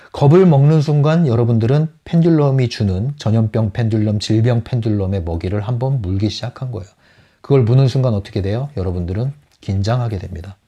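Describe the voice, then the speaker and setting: A man's voice: medium pitch, dark tone. A man giving a lecture on a book as a psychology counselor, often asking his audience rhetorical questions. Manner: asks the audience rhetorical questions, acts out quotes.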